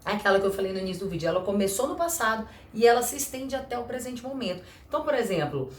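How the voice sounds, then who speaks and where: Lively woman teacher, echoey room. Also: mid-range voice, slight background noise. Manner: chatty, lively, acts out little dialogues, slows for example sentences. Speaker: English teacher. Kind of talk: casual explanatory lesson.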